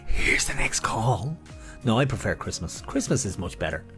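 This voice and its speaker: A man's voice: fairly low pitch, big pitch swings, normal speed, pushed and bright. Irish guy doing bingo calls n banter, sing-song numbers, voice goes up n down, bit of music on. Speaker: bingo caller and host. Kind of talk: bingo calling mixed with casual banter.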